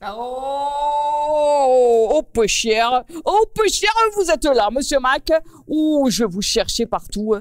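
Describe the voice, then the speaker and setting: Fussy apple man, voiced by a woman: high, unhurried, complaining. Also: expressive, no room sound, studio quality. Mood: fretful. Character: fretful male apple with southern French exclamations.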